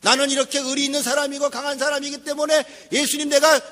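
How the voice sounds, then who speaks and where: A man's voice: very high voice, level tone, fast, bright, forceful tone, voice pushed up. A male preacher voicing a boastful, self-assured disciple who insists he will never fail. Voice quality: insistent, protesting. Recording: echoey church hall.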